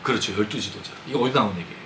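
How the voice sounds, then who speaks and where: A man's voice: on the low side, racing, bright, forceful tone, a little hiss or hum, low-quality recording. A man preaching a Sunday sermon, talking conversationally and asking his congregation questions. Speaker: pastor. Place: church sanctuary.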